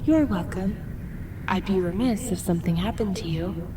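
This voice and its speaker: A woman's voice: medium pitch, moderate pace, crowd noise, close to an everyday voice. An actress playing a woman's uncanny doppelganger in an audio drama, cryptic, cool and mocking. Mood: cool, needling. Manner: echoes words, taunting, cool.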